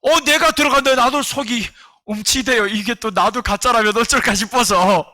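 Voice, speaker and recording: A middle-aged man, a pastor, preaching a sermon in a church with animated storytelling, jumping between shouts and low asides. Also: moderate pace, dry recording.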